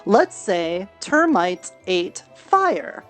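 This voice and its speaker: A woman improvising in-character roleplay chat, explaining things in a halting, deliberate way. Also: mid-range voice, very animated, soft background music. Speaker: roleplayer in a virtual-reality game.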